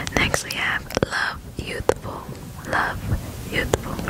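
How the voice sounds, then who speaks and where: A woman whispering at a very slow pace. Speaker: ASMR creator. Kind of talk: casual vlog chat. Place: home room. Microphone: studio mic.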